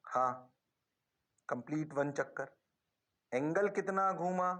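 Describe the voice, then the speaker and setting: A male physics teacher delivers a classroom lesson, prodding his students with quick-fire questions that he then answers himself. He weaves English phrases into his explanations, and his voice sits on the high side with a fairly bright tone.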